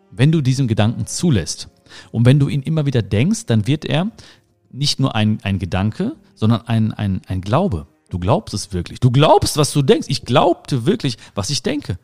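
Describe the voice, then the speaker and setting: A man in his thirties, raised in Germany, hosting a motivational podcast in an earnest, emphatic way, his pitch rising sharply on key phrases. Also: darkish tone. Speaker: podcast host. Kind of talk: motivational talk.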